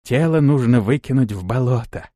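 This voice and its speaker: A man voicing a dutiful female servant in an audiobook, speaking in a quiet, lifeless, slow voice. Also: medium pitch, lively intonation, dry recording, studio quality, lightly acted. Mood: solemn.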